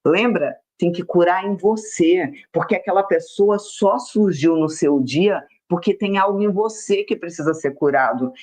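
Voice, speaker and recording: A woman with a Brazilian accent, teaching an online self-help class, speaking emphatically and slowly repeating phrases in a soft chant. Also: fairly low pitch. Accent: Brazilian Portuguese. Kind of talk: online class with sales pitch and guided mantra exercise.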